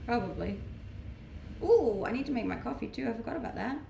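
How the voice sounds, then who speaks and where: A woman's voice: fairly high pitch, expressive, a little fast, gravelly, mellow, a little hiss or hum. A woman with a Danish accent, chatting easily on a livestream from her rented home, reading out and answering viewer comments and laughing often. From Denmark. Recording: roomy echo.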